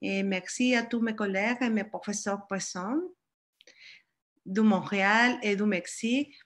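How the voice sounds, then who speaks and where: Mexican woman, native Spanish speaker, Mexican Spanish accent, slow and halting, academic speaker on a video call. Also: mid-range voice. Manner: careful, halting, searching for words. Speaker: guest speaker, doctoral researcher. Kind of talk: academic presentation. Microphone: online video call.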